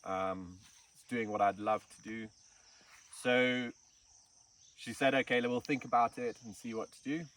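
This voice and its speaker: A man's voice: mid-range voice, steady tone, a little slow, pauses often, fairly bright tone. A man from Kenya, a snake farm curator, telling his story in a casual interview with frequent ums. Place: outdoors in the bush. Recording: distant mic with faint insect noise.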